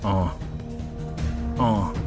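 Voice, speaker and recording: A man with a fairly low voice talks through a commentary video, reading posts aloud and breaking in with dry, sarcastic jokes. He sounds a little under the weather, his voice slightly off from a coming illness. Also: extremely slow, over music. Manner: wry, sarcastic asides while reading aloud. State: feeling ill, voice a bit off. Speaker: host reading and reacting to posts.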